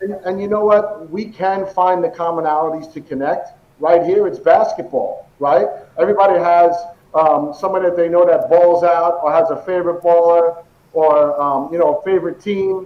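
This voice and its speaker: A high-pitched man's voice in a New York accent, fairly even in intonation, at a moderate pace. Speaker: former police officer. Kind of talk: interview.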